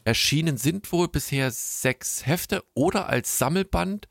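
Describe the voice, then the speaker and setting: A man co-hosting a comic podcast in a casual chat, often stumbling and repeating words as he talks. His voice has a gravelly fry, and it is recorded dry and close with no room sound. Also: a little high, expressive, a little slow, fairly bright tone, no room sound. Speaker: podcast co-host.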